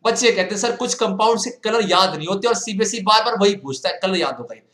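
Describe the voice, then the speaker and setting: A young male teacher working through exam questions in a lively, coaxing way, mixing English phrases into his talk. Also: high-pitched, fast. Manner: animated, coaxing, mixes English into Hindi. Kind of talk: exam solution lesson. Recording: echoey room.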